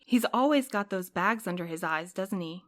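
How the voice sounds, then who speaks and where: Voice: medium pitch, animated, normal speed, close to an everyday voice. An actor voicing a cautious, rule-minded courier in an audio drama who worries and protests. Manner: anxious, protesting, a bit prim. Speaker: night courier Milo.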